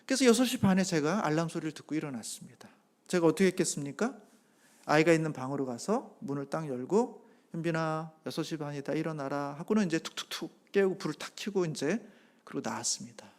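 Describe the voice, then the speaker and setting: High-voiced Korean pastor preaching earnestly. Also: male voice, expressive, quick pace. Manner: earnest preaching, swelling loud on key phrases then dropping soft; tells a homely family story with acted-out quotes. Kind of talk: sermon.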